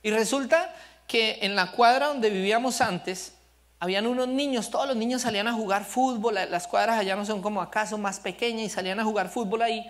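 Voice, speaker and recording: A man's voice: high voice, brisk, fairly bright tone. A male pastor preaching a sermon, telling stories with animation and asking the congregation questions. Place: church service.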